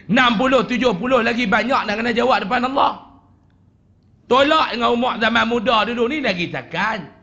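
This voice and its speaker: A man, an animated religious teacher joking and shouting for emphasis at a desk microphone in a prayer hall. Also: very high voice, brisk, gravelly, muffled recording. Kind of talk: religious lecture to a congregation. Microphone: desk microphone on a stand.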